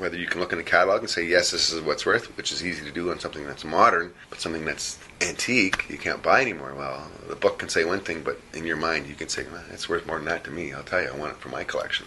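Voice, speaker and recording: Amid noticeable background noise, a man talks at a very fast pace with hardly any pauses and big swings in loudness. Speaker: auctioneer. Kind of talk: interview answer about his work. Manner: conversational.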